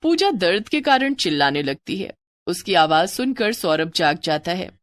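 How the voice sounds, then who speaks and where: A woman narrating an animated moral story in a scripted storytelling style. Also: on the low side, moderate pace, dry recording. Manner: expressive storytelling.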